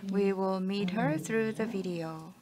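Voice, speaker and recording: Female interpreter, slow and halting, relaying stage directions at a ceremony. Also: mid-range voice, over music. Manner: hesitant, slow, with fillers and restarts. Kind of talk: live interpretation of event announcements.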